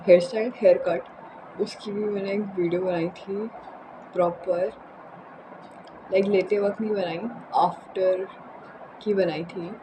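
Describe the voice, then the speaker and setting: A young woman with a hoarse, sore throat chats casually and unscripted in a rambling home vlog, mixing in English words. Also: medium pitch, steady tone, measured pace, pauses often, background noise. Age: young adult. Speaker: vlogger. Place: indoors in a room at home.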